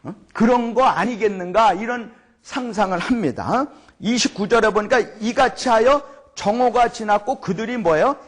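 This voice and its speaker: A man teaching a Bible lecture in an animated way, often asking his listeners for agreement and acting out the shouts he quotes. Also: sits high, normal speed.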